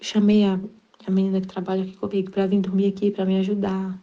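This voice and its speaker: A woman's voice: medium pitch, completely flat delivery, mellow. Earnest Brazilian woman, dull lo-fi sound. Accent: Brazilian Portuguese. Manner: earnest, repetitive, halting restarts. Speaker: host of a Catholic devotional channel. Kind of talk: personal spiritual reflection.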